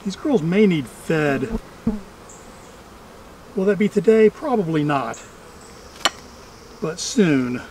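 High-pitched middle-aged man, casual outdoor chatter. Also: lively intonation, slow pace, long pauses, darkish tone, a little hiss or hum, low-quality recording. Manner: chatty, dryly humorous. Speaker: beekeeper and vlog host. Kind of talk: casual running commentary while working. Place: outdoors among trees at beehives.

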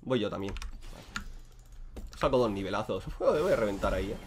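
A man from Spain commentating his own gameplay, excitable and swearing freely as he talks to himself and his viewers. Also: lowish voice, normal speed, slight background noise. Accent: Spain Spanish. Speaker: gaming streamer.

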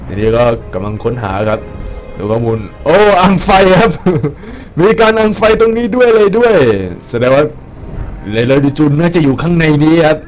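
A young man giving casual, joking commentary over his gameplay, excitable and swearing at enemies. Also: fairly high pitch, normal speed. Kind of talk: casual Let's Play commentary.

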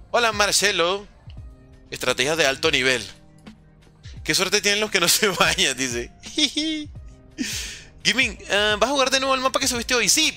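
A man's voice: on the high side, pushed and bright. A man streaming gameplay, reading chat aloud in a playful way and making little mouth sound effects. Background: faint background music.

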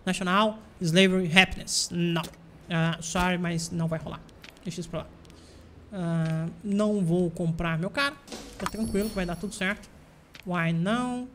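A man's voice: sits high, fairly even intonation, moderate pace, a little hiss or hum. Chatty Brazilian man commenting on gameplay. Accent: Brazilian Portuguese. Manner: chatty, talks to himself while playing, bursts of exasperation. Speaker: gameplay streamer.

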